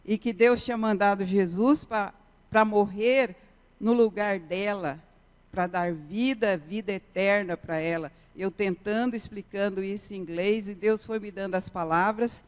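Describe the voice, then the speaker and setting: A woman's voice: medium pitch, steady tone, a little slow, clear, resonant tone. A woman, a missionary telling an earnest testimony in a sermon, often repeating key phrases. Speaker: missionary preacher. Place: church sanctuary. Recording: reverberant church hall.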